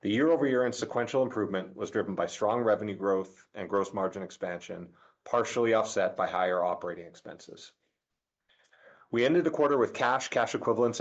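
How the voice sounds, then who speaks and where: A man reading a scripted corporate financial presentation as a finance chief, in a formal, measured manner. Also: on the low side. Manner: formal, measured delivery of figures. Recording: dull, lo-fi conference call audio.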